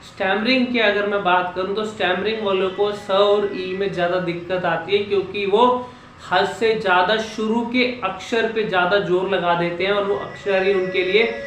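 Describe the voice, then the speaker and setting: A man working as a speech coach, explaining how sounds are made and slowly drilling single syllables in an instructional vlog. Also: high-pitched, fairly even intonation, a bit bright, a little hiss or hum. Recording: echoey room with faint ambience.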